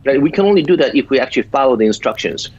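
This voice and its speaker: A man's voice: mid-range voice, expressive, rapid-fire, darkish tone, breathy edge. Korean-accented man, many hesitant fillers. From South Korea. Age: 50s. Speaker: guest physician. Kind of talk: interview answers. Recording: dull lo-fi audio.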